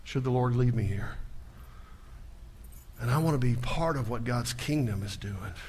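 A pastor preaching a sermon in a church, building to loud emphatic peaks and then dropping into a quiet prayer. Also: male voice, medium pitch, normal speed, slight background noise. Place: church sanctuary.

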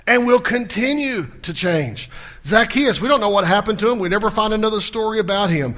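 A pastor preaching a sermon in a church, building to loud emphatic peaks and then dropping into a quiet prayer. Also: male voice, high voice. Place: church sanctuary.

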